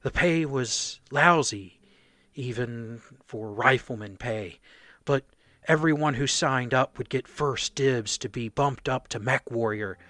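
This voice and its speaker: A man playing a shaken, nervous mercenary foot soldier who gives halting, stammering testimony in a radio play. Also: mid-range voice, a bit bright, no echo. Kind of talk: radio play dramatic monologue.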